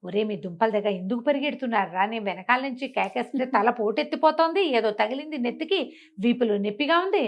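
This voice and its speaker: A woman's voice: on the high side, expressive, fast talker. A woman storyteller voicing a battered village man who grumbles and scolds his friends. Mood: angry grumbling. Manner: exasperated, cursing, complaining.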